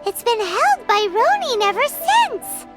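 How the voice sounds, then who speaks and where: A woman's voice: big pitch swings, slow, exaggerated voice. A woman voicing a small, anxious and chatty female fairy companion in a video game. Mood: worried. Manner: high squeaky worried voice, refers to herself in third person. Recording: game audio with loud music behind.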